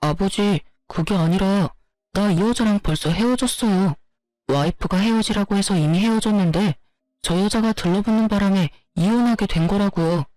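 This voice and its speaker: Woman putting on a low-voiced cheating husband, whiny excuses, dry close sound. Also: moderate pace, dark tone, no room sound, natural voice, rough recording. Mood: defensive. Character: cheating husband, young adult man, pleading.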